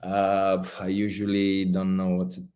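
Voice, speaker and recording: A man's voice: low-pitched, completely flat delivery, unhurried, darkish tone. A man in his thirties with a Romanian accent, a guest actor on a video call, polite and a little nervous, hesitating with fillers. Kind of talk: interview over video call.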